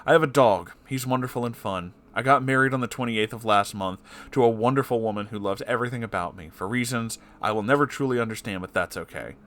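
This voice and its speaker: A man's voice: medium pitch, fast, fairly bright tone. A man, the host, reading a personal post aloud and breaking off into heated, profane asides with heavy sighs. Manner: swears a lot in angry, sighing asides between passages.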